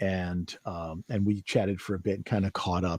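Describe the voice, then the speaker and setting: A man speaks with an American accent in a dark, mellow tone. The sound is dry and close, without echo. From Brooklyn, New York. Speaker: stand-up comedian and communications trainer. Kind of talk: casual interview chat. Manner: animated.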